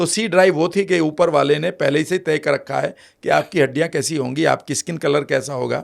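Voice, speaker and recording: At a moderate pace with hardly any pauses, a man speaks with vocal fry, a fairly high pitch, and fairly even intonation. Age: 60s. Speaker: health expert. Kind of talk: podcast interview.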